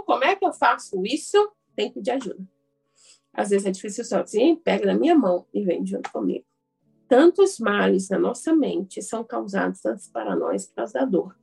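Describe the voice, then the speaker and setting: Her slightly rough voice sits on the high side, with some vocal fry. A Brazilian woman hosts a motivational self-help radio show over background music, speaking straight to listeners with emphatic repetition and guided declarations.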